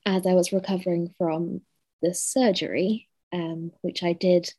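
A woman talks slowly as a podcast guest, pausing often with ums and hesitations. Her voice is mellow and warm. The sound is dry, with no room echo. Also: on the low side, little pitch movement, husky. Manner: unhurried, hesitant, many ums. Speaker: guest artist. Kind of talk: casual interview chat. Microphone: video call.

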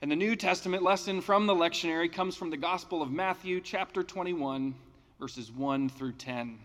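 A male pastor reading scripture and preaching a sermon in a measured, deliberate way, recorded in a church sanctuary. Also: fairly high pitch, fairly bright tone, big-room sound.

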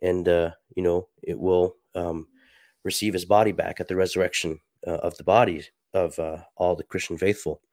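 A man hosting a podcast, a little sick and stuffy, talking reflectively and reading passages aloud in a soft, halting way with many fillers. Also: low-pitched, fairly even intonation, dry recording, studio quality. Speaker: podcast host.

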